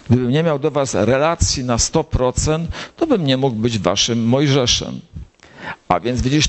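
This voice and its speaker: Man, priest, older, sermon, slow delivery, storytelling, sudden high emphasis. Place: gathering of bible circles.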